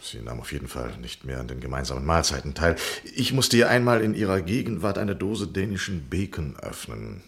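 An actor playing a dry, sardonic gentleman in a German radio crime drama, speaking laconically and unruffled. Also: extremely low pitch, big pitch swings, brisk, creaky, few pauses, full character voice. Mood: dry, knowing. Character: dry, sardonic gentleman nephew of a murdered lady.

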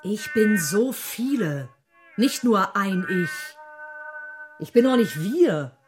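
An actress playing a torn, brooding and defiant inner voice in a literary radio play, speaking in deliberate, emphatic short phrases. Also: female voice, mid-range voice, sing-song. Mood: brooding, insistent. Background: prominent music.

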